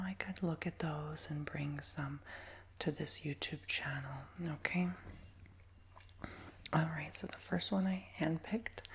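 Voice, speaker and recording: A man in his twenties with a nasal, raspy voice, giving a soft, rambling ASMR whisper with many fillers. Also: on the high side, slight background noise. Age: 20s. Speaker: ASMR creator.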